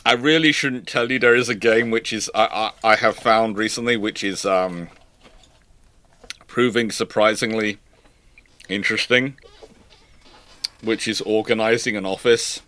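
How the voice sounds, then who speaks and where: He speaks unhurriedly with frequent pauses, his fairly low voice steady, bright and forceful. A naval historian running a casual livestream, he answers viewer questions while rambling and often repeating or rephrasing what he's said.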